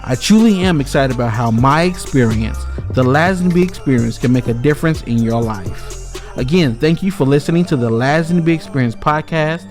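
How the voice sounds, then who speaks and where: A young adult man hosting a podcast in a casual, polite and measured way. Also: medium pitch, expressive, faint music behind. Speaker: podcast host. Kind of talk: casual chat and podcast sign-off.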